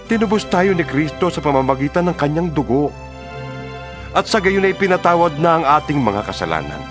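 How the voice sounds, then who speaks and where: In a dramatized audio Bible reading, a man plays Paul the apostle, the fervent letter-writer to believers, over a bed of background music. His medium pitch is close to an everyday voice. The scripted, declamatory delivery is solemn, expressive and exhortatory, with deliberate phrasing.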